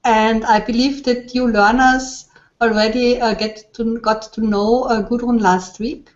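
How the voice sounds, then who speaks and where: Slow-paced woman hosting a web call. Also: fairly high pitch, steady tone, highs cut off. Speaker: host, interviewer. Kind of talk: interview in an online hangout. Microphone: online video call.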